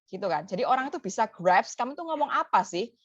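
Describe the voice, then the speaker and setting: A woman's voice: on the high side, expressive, fast, no room sound, highs cut off. A woman speaking on a webinar, explaining casually and mixing in English phrases. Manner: casual, mixes in English phrases, gives examples.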